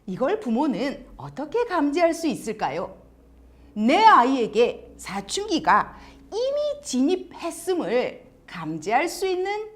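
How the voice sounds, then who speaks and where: Brief: woman education lecturer, expressive storyteller with a very lively voice. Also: sits high. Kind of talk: lecture to parents.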